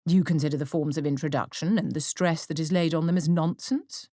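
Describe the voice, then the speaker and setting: A woman voicing a sardonic, reserved middle-aged father in an audiobook, dry, deliberate and mock-courteous. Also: deep voice, steady tone, warm tone, no echo, lightly acted. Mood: mock serious. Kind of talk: audiobook character acting.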